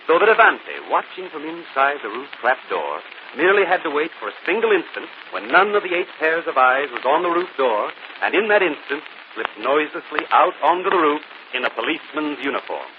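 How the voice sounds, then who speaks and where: Calm clever detective walking through the solution, lively pitch, muffled radio hiss. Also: male voice. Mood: explaining. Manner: measured, explanatory, self-assured. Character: brilliant gentleman detective, calm and confident. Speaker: detective and show host. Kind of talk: 1940s radio acting. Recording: muffled old radio broadcast, faint hiss.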